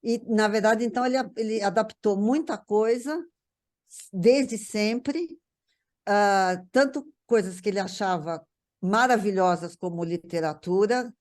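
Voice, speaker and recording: Brazilian woman, conversational panel guest, stop-start delivery with repeated words, mid-pitched voice. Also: darkish tone. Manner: halting, repeats words while searching for phrasing. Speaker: panel guest discussing a TV writer's work. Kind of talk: casual conversational recollection.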